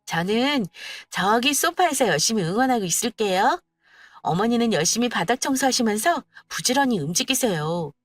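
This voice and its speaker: A woman's voice: a little high, animated, moderate pace, dry recording. A woman voicing a young daughter-in-law whose overly sweet, mock-polite talk carries sarcasm. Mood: teasing.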